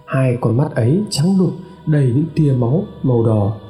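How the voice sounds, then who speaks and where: Male horror storyteller, mellow dark tone, echoey room with long reverb and faint music. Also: mid-range voice, lively intonation, normal speed. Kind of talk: scripted horror narration.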